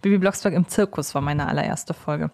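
A woman's voice: deep voice, a little fast, creaky, darkish tone. A woman hosting a podcast, interviewing in an informal, conversational way with rambling, self-correcting questions. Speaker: podcast host.

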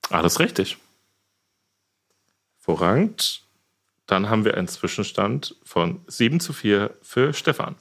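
A man's voice: lowish voice, sing-song, a little slow, long pauses, fairly bright tone. A man hosting a podcast quiz in a casual style, reading out questions and scores. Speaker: quizmaster.

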